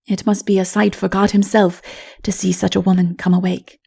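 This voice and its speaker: A woman voicing a humble, wondering male hero in a dark fantasy audiobook, earnest and subdued. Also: medium pitch, level tone, a little fast, creaky, husky.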